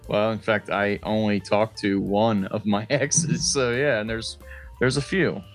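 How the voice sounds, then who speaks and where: A man's voice: on the low side, fairly even intonation, measured pace, faint music behind. A middle-aged man co-hosting a comedy podcast, teasing and joking in casual chat. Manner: teasing, joking, laughs often. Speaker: podcast co-host.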